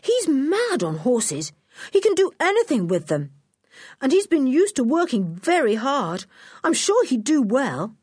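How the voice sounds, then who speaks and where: A polite, sensible schoolboy who leads the group, voiced by a woman reading a children's story. He speaks in earnest, proper phrasing with a lively rise and fall. The recording is close and dry. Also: high voice, measured pace, breathy edge, no echo, voice pushed up, heavily acted. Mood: eager. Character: sensible well-spoken schoolboy, leader of the children.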